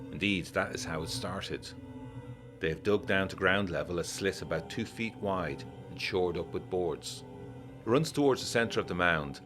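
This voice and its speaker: Very deep, brooding gothic narrator. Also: male voice. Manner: measured, literary, brooding storytelling. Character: haunted, uneasy war-veteran man writing letters in 1925. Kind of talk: gothic audiodrama monologue, letter read as narration.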